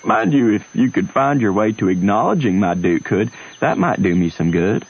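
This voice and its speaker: A self-pitying swindler posing as nobility in a radio play. He is grandiose and melodramatic, with a husky voice that swoops up and down. The sound is dull and lo-fi. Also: lowish voice, lively intonation, normal speed. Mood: haughty, wheedling. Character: theatrical self-pitying con man posing as a duke. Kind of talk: radio drama acting.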